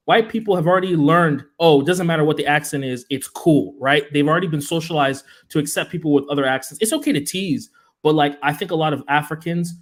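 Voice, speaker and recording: An earnest man from Nigeria makes his point on a casual stream panel, with a slightly high voice. He explains patiently and fills his talk with "like" and "you know.". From Nigeria (Igbo). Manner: earnest, explaining, many likes and you knows.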